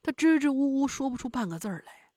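Casting: a lively woman storyteller. Her voice is fairly high and very expressive, with a dry, close sound. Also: fast, no echo. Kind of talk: spoken storytelling narration.

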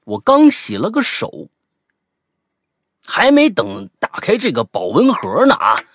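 A man co-hosting a casual podcast, reading out a listener's ghost story with lively asides and banter. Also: sits high, unhurried. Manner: lively, animated retelling with asides.

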